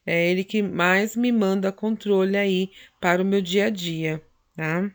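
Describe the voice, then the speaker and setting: A woman's voice: medium pitch, steady tone, measured pace. A woman teacher, explaining anatomy in a recorded lecture, often checking in with tag questions and fillers.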